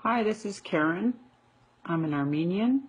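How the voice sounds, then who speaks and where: A woman's voice: medium pitch, animated, a little slow, husky, rough recording. A woman from the United States speaking straight to camera in a rebuttal video, insistent and repeating her points for emphasis. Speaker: vlogger. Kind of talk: direct-to-camera rebuttal monologue.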